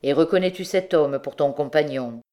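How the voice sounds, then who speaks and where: A scheming, suspicious old king, brooding one moment and commanding the next, voiced by a woman reading an audiobook. The voice sits low and dark, with measured authority. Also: lightly acted. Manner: musing, then barking orders.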